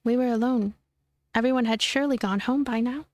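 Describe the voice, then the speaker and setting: A woman doing expressive story narration for a visual novel let's play. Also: a little high, fairly quick, no echo. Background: game music.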